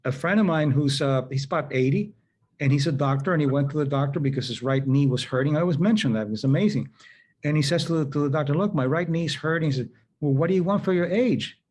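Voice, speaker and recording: A man's voice: a little high, quick pace, darkish tone. A man hosting a conversational interview, telling anecdotes and acting out quoted dialogue. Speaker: host.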